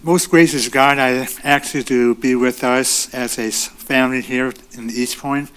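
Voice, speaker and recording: A man gives the opening invocation at a city council meeting in a council chamber. His voice stays flat and even, with little rise or fall. He prays in halting phrases and circles back over the same words. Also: mid-range voice, smooth. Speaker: resident giving the invocation. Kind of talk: spoken prayer.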